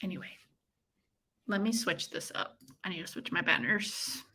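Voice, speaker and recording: An American woman with a fairly low, animated voice talks at normal speed, her tone sharp with a breathy edge. Hosting a live watch-along, she banters casually with viewers, effusive and slangy, and offers fight commentary.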